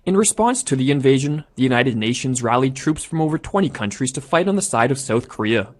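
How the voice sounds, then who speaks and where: Man, scripted essay narration, measured, formal. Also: medium pitch, animated.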